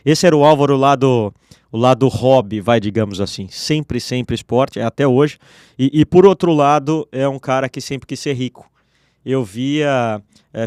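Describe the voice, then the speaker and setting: A man in his forties speaks as a guest on a radio show, his voice in a middle range. He tells his story in a relaxed, personal way. The studio sound is dry. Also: medium pitch, clear, resonant tone, dry recording. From Brazil. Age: 40s. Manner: relaxed, personal, with restarts and fillers. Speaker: guest, entrepreneur. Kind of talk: interview storytelling.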